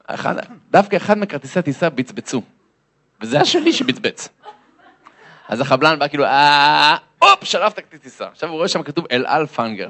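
A man's voice: a little high, gravelly, a bit bright. A man, a lecturer, telling a comic story to an audience and acting out the voices and sounds in it.

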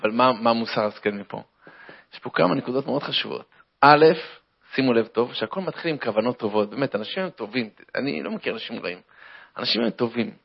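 A man telling a comic story and drawing a moral from it in an animated, lecturing way, on a dull lo-fi recording. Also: mid-range voice, gravelly, husky.

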